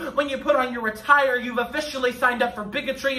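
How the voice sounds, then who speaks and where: Very fast speech from a man in a raised, projected voice, fairly even in intonation, with light background noise. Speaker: spoken word poet. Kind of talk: spoken word poetry performance. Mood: critical, sarcastic. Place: empty room. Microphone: camera far.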